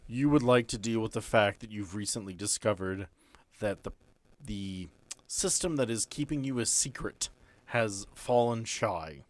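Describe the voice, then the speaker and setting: A man acting as game master, narrating a tabletop role-playing game in a deliberate, descriptive way with pauses mid-sentence. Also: fairly low pitch. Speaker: game master and host of an actual-play podcast. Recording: background music under the voice.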